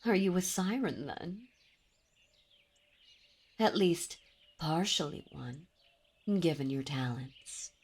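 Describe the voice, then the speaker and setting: A woman's voice: sits low, slightly rough, exaggerated voice. A woman playing a haughty, seductive demon princess. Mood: intrigued. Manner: teasing, imperious, slow and intimate. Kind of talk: ASMR roleplay audio.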